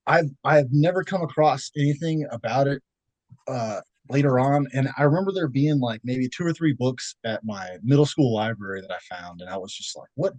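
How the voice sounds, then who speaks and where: This is a young man from Texas in a relaxed podcast chat, at an ordinary middle pitch. He rambles with many fillers, restarts and little laughs. The sound is dry and close, with no room to it. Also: moderate pace, dry recording, poor audio. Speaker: podcast guest. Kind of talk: casual interview chat.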